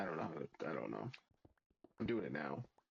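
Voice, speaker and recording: A man talks at a very fast pace with vocal fry in his voice. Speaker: gaming streamer. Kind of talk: live gameplay commentary. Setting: live stream. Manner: halting.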